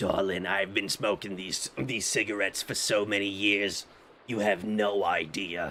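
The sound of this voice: A man uses a put-on character voice with a fairly low pitch. He speaks at a moderate pace with fairly even intonation.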